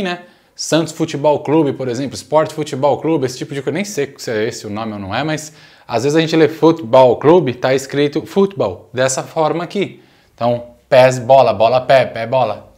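Playful Brazilian man teaching English. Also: mid-range voice. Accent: Brazilian Portuguese. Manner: lively, playful, drills English phrases slowly. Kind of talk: casual video lesson.

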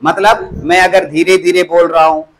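A man's voice: a little high, little pitch movement, moderate pace, slight background noise. A male polytechnic teacher giving a classroom lecture, repeating key words back to his students as questions. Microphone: clip-on mic at the waist.

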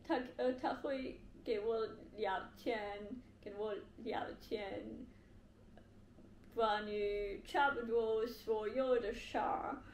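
A young woman, a non-native Mandarin speaker with a foreign accent, talks casually to camera in a halting way, searching for words. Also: a little high, fairly even intonation. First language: not Mandarin. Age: young adult. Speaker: language learner vlogger. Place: indoor living room with bare wall, on sofa. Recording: echoey room, faint background hiss.

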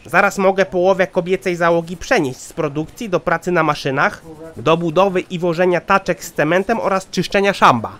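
A man's voice: high-pitched, brisk, fairly bright tone. A man voicing a callous, dutiful foreman in a satirical cartoon, reporting formally and matter-of-factly.

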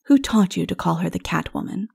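A woman voicing a grave, stern king in a storybook, speaking in a measured, firm and solemn way. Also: fairly low pitch, animated, gravelly, darkish tone, slightly rough, full character voice. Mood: grave, gentle. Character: grave, stern male king on a perilous journey.

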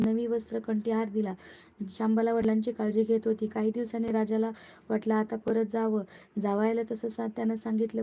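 Woman storyteller, devotional tale, high-ish dark tone, muffled lo-fi recording. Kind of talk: reading a devotional vow tale.

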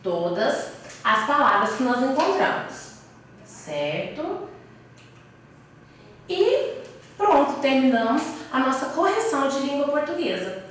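Brazilian lady teacher going slow, sounding out syllables for little kids, bit far from the mic, faint hiss. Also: sits high, very animated, fairly bright tone. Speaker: primary school teacher. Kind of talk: classroom lesson for young children. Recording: echoey room, voice from a distance.

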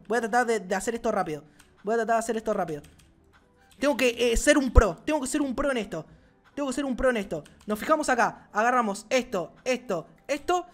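Hosting a gaming channel, this Argentine-accented man narrates gameplay with excitement, shouting and cursing often. He speaks in a very high voice with an Argentine Spanish accent.

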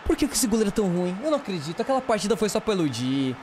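A Brazilian man streaming a football game, commentating live with a fairly high voice that leaps all over the place. He bursts out at his players in casual slang. Faint background noise sits under the recording. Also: racing. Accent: Brazilian Portuguese. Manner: excitable, shouts at players, slangy banter. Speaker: gaming streamer.

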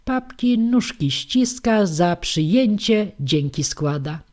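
A woman's voice: mid-range voice, animated, slow pace, a little mellow. A woman reading aloud and voicing a boastful, cowardly man who flusters and fawns. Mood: fawning. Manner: fawning, flustered, bowing and scraping. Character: boastful cowardly male braggart, fawning and jittery.

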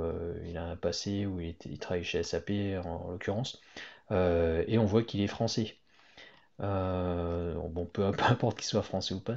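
A man with a somewhat low voice chats casually over a screen share, stumbling through frequent fillers and restarts. The sound is muffled and lo-fi, like a cheap desktop mic. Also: darkish tone. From Hong Kong. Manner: hesitant, many fillers and restarts. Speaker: YouTuber commenting on Tesla news.

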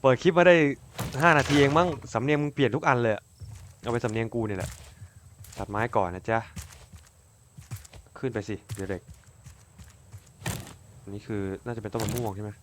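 A man doing casual let's-play commentary, cursing freely, bursting out excitedly and talking to his game character like a friend. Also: lowish voice, brisk, long pauses, a little hiss or hum. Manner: crude, swears a lot, excitable outbursts; talks to his game character as if to another person. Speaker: gaming YouTuber.

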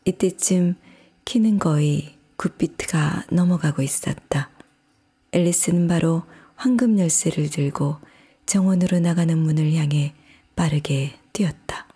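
Breathy whispering woman reading a storybook. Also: low voice, a little slow, dark tone. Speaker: audiobook reader.

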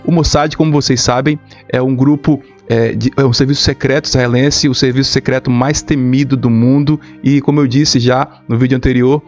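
A man's voice: medium pitch, steady tone, brisk, few pauses, darkish tone, lo-fi sound. A man in his thirties with a Brazilian accent giving informal, explanatory news commentary straight to his viewers. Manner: explanatory, addressing viewers directly. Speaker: host of a news commentary video channel. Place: small indoor home studio with shelves. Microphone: close desktop condenser microphone. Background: background music.

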